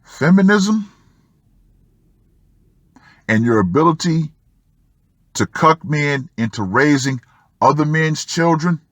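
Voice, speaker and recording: A man giving opinion commentary as an online host, emphatic and fond of dramatic pauses. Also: medium pitch, a bit bright, dry recording. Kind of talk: opinion commentary on a Reddit post.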